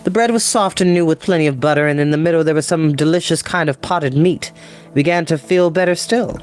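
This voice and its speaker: A man reading a children's novel aloud as narrator, in an expressive storytelling style. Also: fairly high pitch, fairly quick, soft background music.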